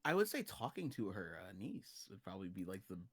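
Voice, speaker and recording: Very animated, rambling livestream guest. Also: low voice, fairly quick, crowd noise. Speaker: livestream guest, character creator. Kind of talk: casual chat.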